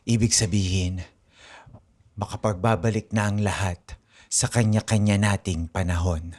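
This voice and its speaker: A man playing a formal, stately knight in an improvised radio drama, with deliberate, archaic phrasing. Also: lowish voice, steady tone, a little mellow. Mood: solemn. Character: formal, stately male knight bidding solemn farewells.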